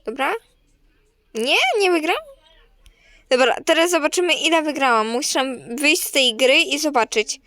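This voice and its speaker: A woman's voice: high voice, normal speed, pauses often, pushed and bright, no room sound, clean studio sound. A young woman streamer commenting on her game and talking straight to her viewers, gushing and sometimes shrieking. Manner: gushing, talks to viewers, shrieks when winning. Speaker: gaming streamer. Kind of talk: excited gameplay commentary.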